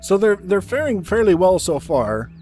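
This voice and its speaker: A man's voice: high-pitched, big pitch swings, normal speed, a little mellow. A man giving casual gameplay commentary on a video game. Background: game music.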